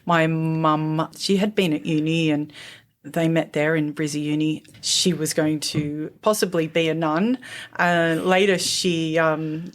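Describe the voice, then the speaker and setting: A middle-aged Australian woman, a podcast guest, recalling her childhood thoughtfully and pausing to remember details. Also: low voice, fairly even intonation. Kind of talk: reflective interview storytelling.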